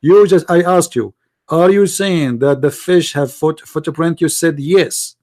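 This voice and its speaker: Give me a combative man, native Arabic speaker, slightly high voice, hammering questions in a debate. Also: a little slow, darkish tone. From Middle East. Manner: combative, repetitive, mocking. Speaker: debate host. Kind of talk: heated religious debate.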